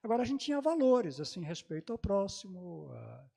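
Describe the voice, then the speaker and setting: Halting man recalling his childhood. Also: high voice, very animated, gravelly, dark tone, slightly rough. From Brazil, grew up in Santa Catarina. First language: German dialect. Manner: halting, many hesitations and restarts. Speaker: panelist at a theology congress. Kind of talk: personal recollection in a panel talk.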